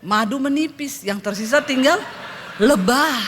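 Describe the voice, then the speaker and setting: A high-pitched, middle-aged woman pastor preaches a humorous testimony from a church stage. She tells her story in a lively, joking way, acting out the quotes. Faint ambient noise sits behind her voice.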